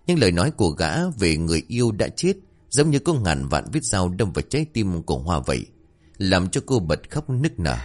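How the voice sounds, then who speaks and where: Man, horror story narration, expressive, low voice, lively pitch. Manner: expressive, swinging between tense and hushed.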